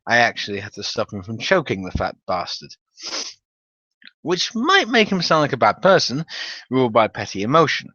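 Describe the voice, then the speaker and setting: Male narrator, theatrical and wry storytelling, very lively pitch, slightly muffled home recording. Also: normal speed, husky. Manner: theatrical, animated, wry delivery with profanity. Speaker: narrator reading a story aloud. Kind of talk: dramatic reading of a humorous tabletop gaming story. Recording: dull, roomy home recording.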